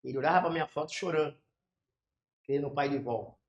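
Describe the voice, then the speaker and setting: A man, a pastor telling his conversion story with fervor, in pauses and restarts. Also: on the high side, dull audio. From São Paulo area, Brazil. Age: 60s. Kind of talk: emotional conversion testimony in a casual chat. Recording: echoey room.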